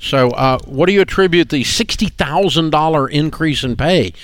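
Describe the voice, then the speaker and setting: A man's voice: a little high, moderate pace, no echo. An older man hosting a call-in money show, teasing and heaping praise on guests in playful studio banter. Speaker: radio show host. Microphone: studio microphone.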